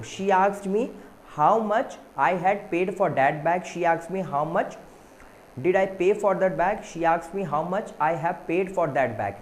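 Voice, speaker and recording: Guy teaching exam questions, kinda high voice, reads english lines slow then explains fast, bit of noise behind. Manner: calls students "beta". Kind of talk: exam-prep lesson.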